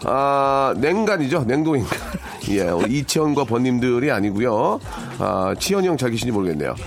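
A man's voice: medium pitch, very animated, moderate pace, vocal fry, soft background music. A man in his forties hosting a radio show, teasing his guests in playful, chatty banter. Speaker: radio host.

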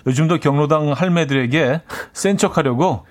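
A man's voice: on the high side, normal speed. A man co-hosting a casual radio chat, reading listener messages aloud and laughing often between lines.

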